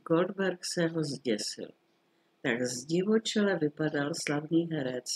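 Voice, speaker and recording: Husky-voiced man reading a classic story. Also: fairly high pitch, low-quality recording. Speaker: audiobook reader. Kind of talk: literary storytelling.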